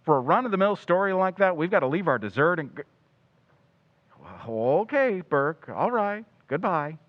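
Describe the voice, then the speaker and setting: A man's voice: high-pitched, sing-song, normal speed, dull audio. A man playing a wisecracking, grumbling news photographer in old-time radio style, slangy and mock-grand. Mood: grumbling, brisk.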